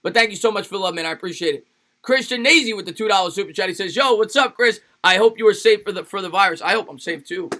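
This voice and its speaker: A man hosting a casual sports livestream, reading fan donations aloud in an energetic, hyped-up way, his voice a little raspy and tired. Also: high voice, fast. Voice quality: slightly raspy. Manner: energetic, hypes up fans. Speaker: sports YouTube host reading super chats.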